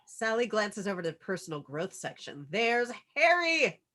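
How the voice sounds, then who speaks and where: A woman narrates a screenplay's action lines for a table read. Her pitch is average for a woman, and the delivery is scripted narration. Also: very animated, normal speed, pushed and bright. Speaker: stage directions reader.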